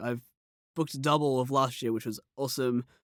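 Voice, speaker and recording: Here a man speaks with a New Zealand accent. The sound is dry and close, with no echo. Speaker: voice actor and casting director. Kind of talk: casual chat.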